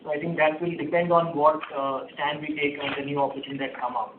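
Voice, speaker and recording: A male executive gives measured, halting answers on an earnings call. His voice sits a little high, heard over a tinny phone line with heavy room echo. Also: flat delivery. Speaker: company executive. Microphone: conference call phone line. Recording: echoey, noisy, phone-like conference line.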